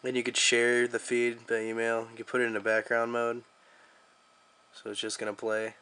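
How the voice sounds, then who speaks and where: A man's voice: mid-range voice, completely flat delivery, normal speed, sharp tone, clear, resonant tone. A young American man giving a casual, slangy, joking app demo as a video reviewer.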